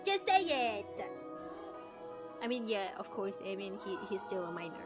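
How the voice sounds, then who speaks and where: A woman streamer reading a visual novel aloud and reacting in an animated, teasing way, swearing freely. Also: medium pitch, moderate pace. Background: music.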